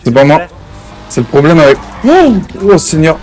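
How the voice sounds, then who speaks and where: A man's voice: fairly high pitch, big pitch swings, moderate pace, music in the background. A man chatting casually and jokingly in slang as he streams an online roleplay game. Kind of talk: casual gaming banter.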